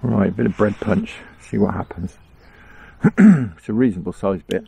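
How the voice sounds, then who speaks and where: A man's voice: lowish voice, moderate pace, gravelly, husky. Chatty middle-aged man on a riverbank. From England. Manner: chatty, chuckles often, relaxed self-talk. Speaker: angling vlogger. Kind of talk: casual running commentary. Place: outdoors on a small riverbank. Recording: outdoor ambience with faint noise.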